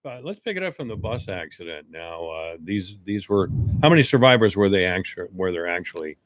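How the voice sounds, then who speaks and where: Lively, teasing American male host. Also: low-pitched, brisk, dry recording. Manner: teasing, jokey. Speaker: interview host. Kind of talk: casual conversational interviewing.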